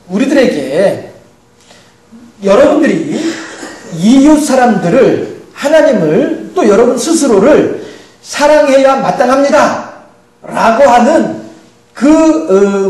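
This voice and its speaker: A middle-aged man preaching a sermon as pastor, animated and chuckling often. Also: very high-pitched, a little slow. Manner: animated, acts out quoted voices, chuckles often. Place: church sanctuary. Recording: echoey church hall, distant mic.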